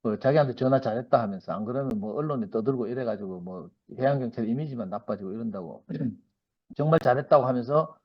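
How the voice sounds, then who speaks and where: A middle-aged church member with a Gyeongsang Korean accent gives his personal testimony at a church meeting, telling it animatedly and acting out the dialogue. His voice is medium-pitched and brisk, on a dull lo-fi recording.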